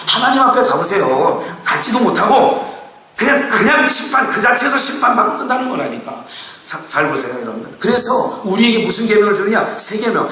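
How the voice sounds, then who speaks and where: A man with a high, bright, forceful voice preaches a sermon to his church. He talks casually, firing rhetorical questions at the congregation. The sound is a roomy, echoing hall, picked up from well back from the mic. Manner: colloquial and animated, with laughs and bursts of shouting. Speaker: pastor. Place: church sanctuary. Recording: echoey hall, mic far from speaker.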